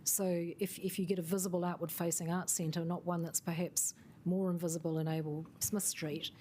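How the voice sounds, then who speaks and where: A woman officer answering councillors' questions in a measured, thoughtful way, with fillers. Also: lowish voice, level tone, mellow, slight background noise.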